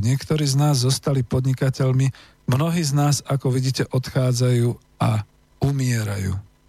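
This man's voice has a dark, mellow tone, is somewhat breathy, and keeps a very even loudness. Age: 60s. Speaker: radio host. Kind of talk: radio talk monologue. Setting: studio.

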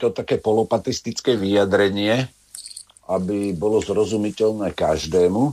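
Ordinary pitch variation at a fairly slow pace. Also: man. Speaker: bioethics researcher. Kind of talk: interview.

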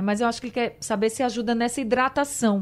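On a very clean recording with a silent background, a woman with an unremarkable speaking voice speaks at a fairly high pitch with fairly even intonation. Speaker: radio host. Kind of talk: radio interview, host. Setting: radio studio.

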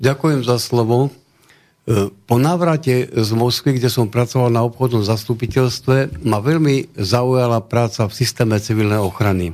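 A man with an unremarkable speaking voice talks at medium pitch and moderate pace, with ordinary pitch variation, on a very clean recording with a silent background. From Slovakia, Liptovský Mikuláš. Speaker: civil protection association chairman, former ministry official. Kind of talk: studio discussion.

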